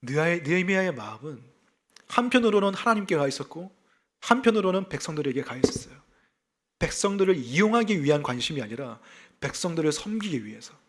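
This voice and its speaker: A man preaching a sermon in a fairly high voice that rises and falls with lively intonation. He explains a scripture passage and asks his listeners rhetorical questions. He is a pastor from South Gyeongsang who weaves in personal stories. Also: brisk. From South Gyeongsang, South Korea.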